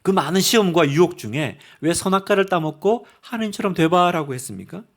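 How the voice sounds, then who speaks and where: A male pastor preaching a sermon, animated and asking the congregation rhetorical questions. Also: high voice, brisk.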